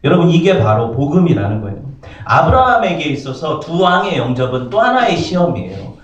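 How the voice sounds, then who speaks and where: A man preaching in a church, his voice sitting a little high and swooping up and down as he works the room. He keeps checking in with the congregation and acts out the lines of the people in his story. The sound is very echoey and comes from a bit away from the mic. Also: big pitch swings, brisk, recorded from a distance, highs cut off. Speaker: pastor. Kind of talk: sermon. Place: church sanctuary.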